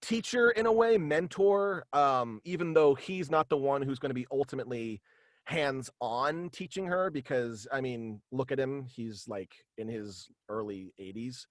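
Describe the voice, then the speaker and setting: Appearing as a guest over video call from a small home room, this young voice actor and writer rambles casually, dropping "like" all the time. He speaks a little slowly in a mid-range voice, and there's no room sound.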